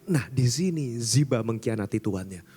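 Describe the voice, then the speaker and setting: A man's voice: mid-range voice, lively intonation, normal speed, mellow, slightly rough. A man pastor preaching a sermon in a casual, conversational storytelling manner. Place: church service.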